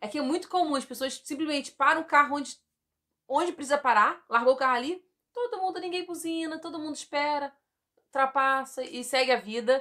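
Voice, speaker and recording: A woman with a Rio de Janeiro accent projects a raised, high-pitched voice in a bright, sharp tone, with lively intonation at a fairly quick pace. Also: quiet background. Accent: Brazilian Portuguese, carioca. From Brazil, Rio de Janeiro. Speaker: YouTuber. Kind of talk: casual chat. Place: home room. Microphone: phone near.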